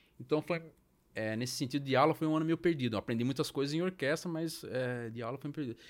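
Over a very clean recording with a silent background, a man talks at a very fast pace. His fairly high voice has ordinary pitch variation. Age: 30s. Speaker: professional orchestra violinist. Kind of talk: casual interview.

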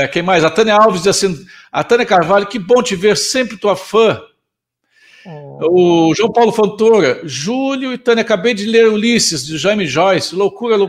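On a very clean recording with a silent background, a man with a high pitch talks at a moderate pace with ordinary pitch variation. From southern Brazil, Rio Grande do Sul (Pelotas). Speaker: radio host and journalist. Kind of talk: casual interview chat. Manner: halting, with frequent repetitions.

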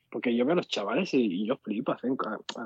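This man has an ordinary speaking voice at medium pitch. He talks at a fairly quick pace. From Mataró, Catalonia, Spain. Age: 20s. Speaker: engineer. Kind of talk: interview. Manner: casual, filler-heavy.

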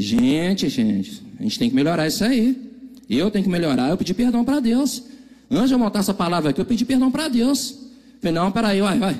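An animated man with a Brazilian accent speaks at a fairly quick pace and high pitch, with lively intonation and very even loudness. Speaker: preacher. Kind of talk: sermon with scripture reading. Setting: church. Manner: animated, conversational; informal, humorous, laughs.

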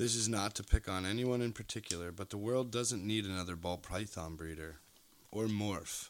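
This is an ordinary speaking voice at a moderate pace. Pitch variation is ordinary. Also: man, fairly low pitch for a man. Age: 30s. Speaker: reptile rescue co-owner. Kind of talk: casual interview.

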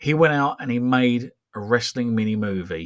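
In a very clean recording with a silent background, a man at medium pitch uses lively intonation in an ordinary speaking voice. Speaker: wrestling podcast host and wrestling school trainer. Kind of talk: casual interview chat.

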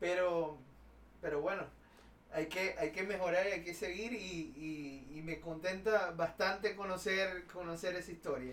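The speech moves at a fairly slow pace amid noticeable background noise and audible room echo. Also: man, high pitch for a man, ordinary pitch variation. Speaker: podcast host. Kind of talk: interview.

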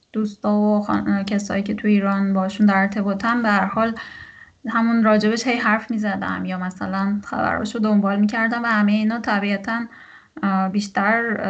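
Speaking at a moderate pace, a woman of medium pitch sounds somewhat breathy, with monotone, flat intonation. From Iran, Kermanshah. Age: 40s. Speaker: interviewee sharing personal story. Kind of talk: personal testimony interview.

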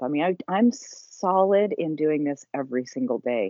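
With an American accent, a woman talks with very wide swings in pitch. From Salt Lake City, Utah, US. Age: 50s. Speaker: guest. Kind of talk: casual interview chat.

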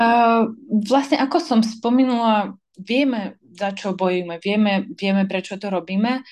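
A woman at a fairly high pitch and fairly slow pace, with ordinary pitch variation over a quiet background. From Ukraine, Odesa. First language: Ukrainian, also Russian (speaking Slovak). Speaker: political commentator, student. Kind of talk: interview.

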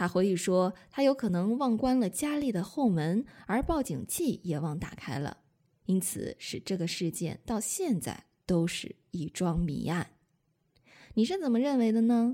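A woman's dark, mellow, medium-pitched voice with very wide pitch swings, at a fairly slow pace. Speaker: podcast host and Chinese language teacher. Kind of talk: storytelling for language learners. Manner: slow and clear.

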